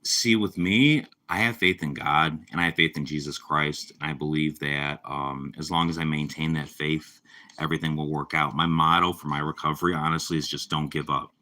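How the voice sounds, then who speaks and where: A young man with a slightly raspy voice from a cold, chatting casually and rambling on a live stream. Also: a bass voice, fairly even intonation, normal speed, bright, forceful tone. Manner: rambling, laid-back, lots of fillers. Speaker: livestreamer.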